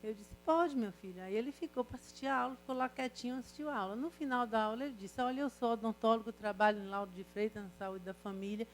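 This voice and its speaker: An older woman university professor lectures to her class, slipping from advice into personal stories. Her voice sits a little high, and she keeps checking in with the students through rhetorical questions. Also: fast, few pauses, a little hiss or hum, rough recording.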